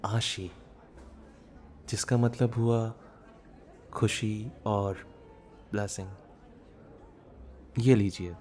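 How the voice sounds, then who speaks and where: Male actor as tender self-doubting nerdy man, intimate ASMR drama, mellow dark tone, slow musing delivery, faint noisy backdrop. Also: fairly low pitch, fairly even intonation, soft background music. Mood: gentle. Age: 30s. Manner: soft, unhurried, intimate, musing. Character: shy, bookish, self-doubting thirty-year-old man, tender romantic lead. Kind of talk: ASMR boyfriend roleplay audio drama. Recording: audible background noise.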